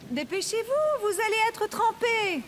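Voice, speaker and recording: A woman's voice: extremely high pitch, big pitch swings, measured pace, exaggerated voice. A woman voicing a caring, reassuring mother in a French children's cartoon, with a tender, soothing manner. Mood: brisk, caring. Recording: faint music behind the voice.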